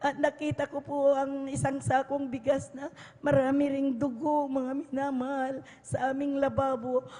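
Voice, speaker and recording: An older woman gives a tearful, pleading church testimony in a high, narrow-ranged voice. Her words ring out with long reverb in a church hall, and she keeps turning fondly to the congregation. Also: mellow. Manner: tearful, pleading, repeats endearing address to congregation. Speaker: church member giving testimony.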